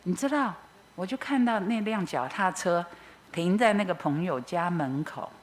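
Animated Taiwanese woman telling a testimony. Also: lowish voice, normal speed. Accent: Taiwanese Mandarin. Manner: animated, expressive storyteller. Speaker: church member giving a testimony. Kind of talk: personal testimony storytelling.

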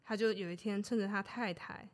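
A woman's voice: mid-range voice, brisk. A woman co-hosting a casual podcast, retelling an old story with laughs and playful acted-out lines. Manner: lively, acts out characters' lines with laughs. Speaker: podcast co-host.

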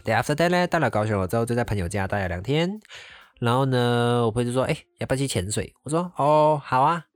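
A young man from Malaysia, casually telling a personal story as host, animated and sprinkling in English words. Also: medium pitch, no room sound, clean studio sound, faint music behind. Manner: animated, mixes English words into Mandarin, drawn-out exclamations.

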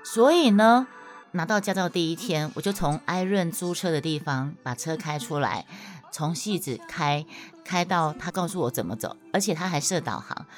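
Young woman, Taiwanese Mandarin accent, casual storyteller host; animated, pitch spikes high on emphasis, soft music bed. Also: normal speed. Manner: animated, emphatic, voice jumps high when worked up.

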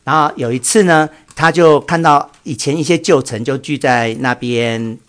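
A man hosting a casual retelling of a classic novel, chatty and full of hesitant pauses. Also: mid-range voice. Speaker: host.

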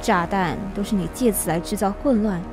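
A woman's voice: mid-range voice, a little fast, music in the background, lightly acted. An actress playing a cool, cocky, analytical brain scientist in a radio drama, clever and taunting in her delivery. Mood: coolly analytical. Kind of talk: Mandarin radio drama acting.

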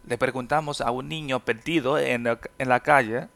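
A man whose first language is Chinese teaches a podcast language lesson, explaining words patiently and saying example sentences slowly and carefully. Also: medium pitch, fairly even intonation, vocal fry, a bit bright.

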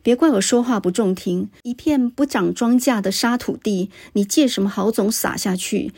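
A woman voicing a stern, rough male village hunter, talking firmly and lecturing. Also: medium pitch, normal speed, darkish tone. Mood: stern pleading. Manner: firm, lecturing.

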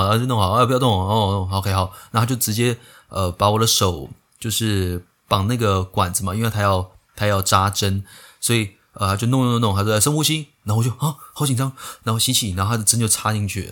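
A young man hosting a casual storytelling podcast, animated and acting out bits of dialogue, dropping in English phrases. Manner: animated, acts out dialogue with pitch jumps, mixes in English phrases. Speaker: podcast host. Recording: slightly poor audio quality.

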